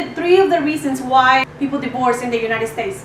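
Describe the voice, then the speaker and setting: A high-pitched woman in a Spanish accent, with audible room echo and noticeable background noise. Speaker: vlogger. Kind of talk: casual monologue vlog.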